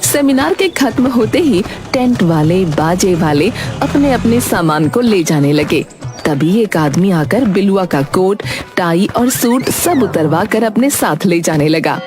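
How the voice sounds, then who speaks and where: A woman narrating a cartoon story in an even, storybook manner. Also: medium pitch, unhurried, over music.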